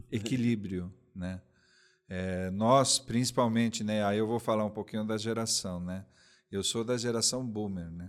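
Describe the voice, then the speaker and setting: A man with an ordinary speaking voice talks at a fairly slow pace and fairly even intonation. The recording is very clean, with a silent background. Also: fairly low pitch for a man. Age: 60s. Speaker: data governance executive. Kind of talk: podcast interview.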